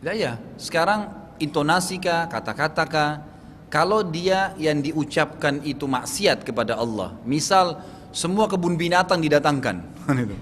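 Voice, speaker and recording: A man's voice: on the high side, lively intonation, normal speed, a bit bright, big-room sound, a little hiss or hum. A man from Makassar in South Sulawesi, answering a question in a religious lecture with a Makassar Indonesian accent, often asking "right?" to check he is followed. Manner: explanatory, repeats "gitu kan?" to check understanding. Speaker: preacher.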